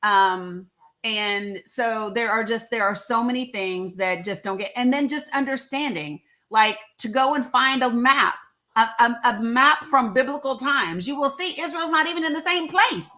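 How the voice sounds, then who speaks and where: A woman host from the South, talking in a quick, rambling way and often restarting her sentences. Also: fairly high pitch, sharp tone. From Southern United States. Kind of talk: casual chat.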